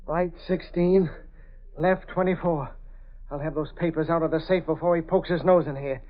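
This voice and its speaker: A man's voice: on the high side, fairly even intonation, moderate pace, lightly acted. An actor in a 1930s radio drama playing a crooked man muttering to himself. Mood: hurried. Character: sneaky crooked man in a hurry. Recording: dull old radio recording.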